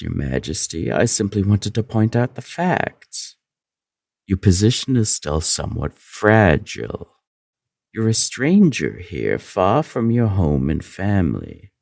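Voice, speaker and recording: A man playing a scheming, manipulative royal advisor in a fantasy audio drama, with a sly, flattering, insinuating drawn-out delivery. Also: deep voice, vocal fry, dry recording, studio quality, exaggerated voice.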